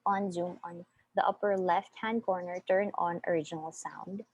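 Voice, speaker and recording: A woman's voice: lowish voice, fairly even intonation, moderate pace, lo-fi sound. A woman with a Filipino accent, teaching a one-on-one voice lesson over a video call and patiently walking her student through each step. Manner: patient, many fillers and restarts, steps through instructions. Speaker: online voice teacher. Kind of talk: guiding a one-on-one online voice lesson.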